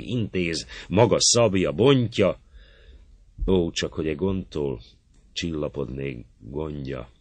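A man reading an epic poem aloud in a measured, solemn manner for an audiobook. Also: low-pitched, no room sound. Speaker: audiobook reader.

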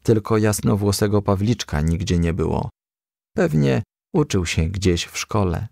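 A man narrates a children's storybook in a low, gravelly voice. The recording is dry and close, with no room around the scripted reading. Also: animated, unhurried, darkish tone, no echo. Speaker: audiobook reader.

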